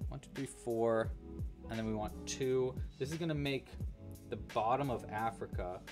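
A young man hosts a relaxed crochet livestream from a home studio, with faint music playing behind him. He talks through each round, counts stitches aloud and thanks donors in a chatty, easygoing way. His voice sits in a middle pitch. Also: normal speed. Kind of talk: casual livestream crochet tutorial.

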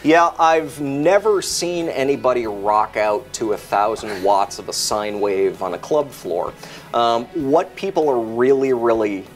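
A middle-aged American man with a medium-pitched voice explains technical details. He is methodical and stresses key points, with music present behind him. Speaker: product expert. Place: indoor product display set.

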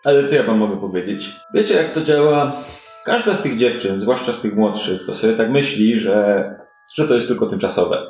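Casting: male game master as condescending, teasing underworld madam for fantasy tabletop game, low register, roomy sound. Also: animated, normal speed, a little mellow, faint music behind. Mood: cynical, matter-of-fact. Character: haughty red-haired woman, streetwise port madam.

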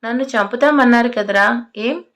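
A woman voicing a furious, fearless male police officer who shouts threats. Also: fairly high pitch, moderate pace.

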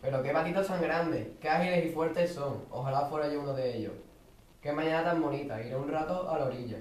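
A teenage boy reads out play dialogue in a slightly high voice. He is a little far from the mic in a very echoey classroom. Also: a little fast. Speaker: student reading radio play parts. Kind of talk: scripted dialogue, read aloud. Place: school classroom. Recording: very echoey classroom, distant mic, faint noise.

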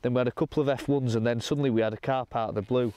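A young man talking casually to camera while fishing from a lake bank outdoors, explaining his session in a relaxed, matter-of-fact way. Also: mid-range voice, very fast, clean tone, dry recording. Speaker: angler presenting a fishing session.

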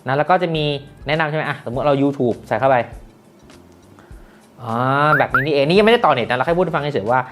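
A young woman chatting excitedly through a casual gadget unboxing review, full of exclamations. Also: rumbling low, brisk, background noise. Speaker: tech reviewer.

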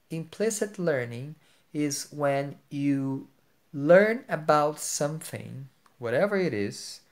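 A man's voice: on the high side, a little mellow. A man in his thirties, a native Portuguese speaker with a Portuguese accent, explaining a lesson to camera in an earnest way, often asking "right?". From Portugal or Brazil. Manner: earnest, explains with everyday examples, checks in with "right?". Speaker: English teacher. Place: indoor room with plain wall. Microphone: phone camera held close.

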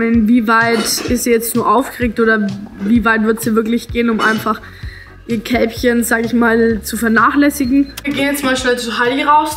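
A woman's voice: a little high, a bit bright. A woman, explaining casually in a handheld farm video diary. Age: 20s. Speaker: farmer, vlog host. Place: farmyard and cattle barn. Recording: noisy handheld farm vlog.

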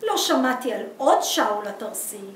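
A woman's voice: fairly high pitch, sing-song. A woman voicing a big, hot-tempered, suspicious young farmer in a novel reading, in an echoey room. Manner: loud, indignant, challenging. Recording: echoey room, distant mic, background noise.

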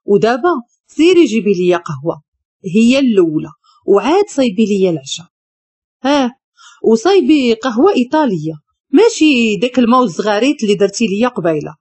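A woman's voice: fairly high pitch, big pitch swings, brisk, darkish tone, husky. A woman with a Moroccan Arabic accent voicing a harsh, domineering rich man who scolds and gives orders. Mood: scolding. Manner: cold, scolding and commanding. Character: harsh, domineering wealthy man, master of a palace.

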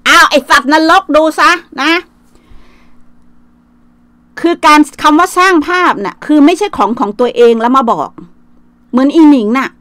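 A woman's voice: sits high, expressive, normal speed, pauses often, a bit bright, no room sound. A middle-aged woman from Thailand hosting a casual livestream, coarse and taunting, swearing freely. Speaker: livestream host. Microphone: phone livestream.

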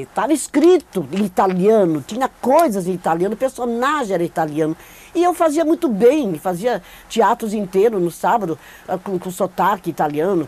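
An older Brazilian actress, a veteran giving testimony, recalls her career in a seated oral-history interview in an indoor studio against a plain backdrop. She tells it animatedly with emphatic repetition in a warm, medium-pitched voice. A clip-on lapel mic picks her up with slight background noise.

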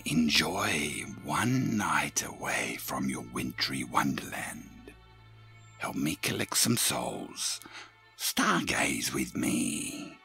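An actor playing a creepy, menacing old undead Australian grave robber in an audio drama, gravelly and theatrical, leering between hush and shout. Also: male voice, a bass voice, exaggerated voice. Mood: leering glee.

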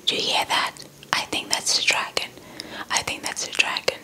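A young South African woman whispers an ASMR folktale into a close handheld mic, breathy, repeating soft words. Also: moderate pace. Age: young adult. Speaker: ASMR storyteller. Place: indoors, in front of a dark cloth backdrop. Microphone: small handheld lavalier mic with windscreen, held close.

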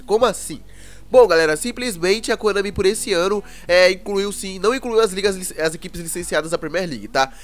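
A young Brazilian man with a cold, his voice congested and hoarse, chatting casually through gaming news and constantly checking in with viewers. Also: on the high side. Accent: Brazilian Portuguese. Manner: chatty, keeps asking the viewers "né, cara?". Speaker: gaming YouTuber.

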